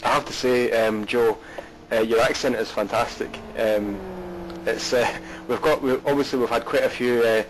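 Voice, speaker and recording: A man's voice: medium pitch, steady tone, normal speed, over music, low-quality recording. A Scottish man commentating an online race and chatting with a guest, rambling with fillers and restarts. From Scotland. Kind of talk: live race commentary and interview.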